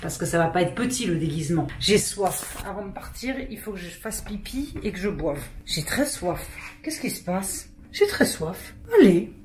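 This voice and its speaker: Against a noisy background, a twenty-something vlogger speaks at a normal pace in a fairly low, expressive voice. She's at home, chatting to camera in a casual, playful way and making fun of herself.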